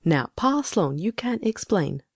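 A woman's voice: fairly low pitch, very animated, unhurried, vocal fry, breathy edge, no room sound, studio quality, pitched below the performer's own voice, heavily acted. A woman voicing a stern, grim farm wife. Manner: grim, scolding, clipped. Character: stern, sharp-tongued older farm wife.

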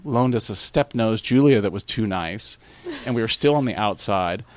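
A man's voice: fairly low pitch, moderate pace. A man telling a long anecdote in casual conversation, with many restarts. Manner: animated, rambling with restarts. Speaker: guest. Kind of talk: casual storytelling.

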